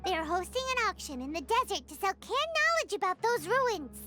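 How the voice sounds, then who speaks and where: Game role: tiny fairy girl companion, very high and bouncy, bubbly. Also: sing-song, a little fast, music in the background. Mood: chirpy. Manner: bubbly, third-person self-talk.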